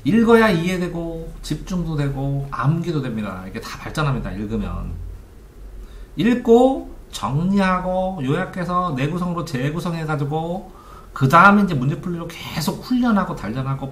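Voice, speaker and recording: A man's voice: on the high side, sing-song, moderate pace, fairly bright tone. A man giving an informal lecture on study methods as a coach, asking his listeners rhetorical questions. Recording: echoey room.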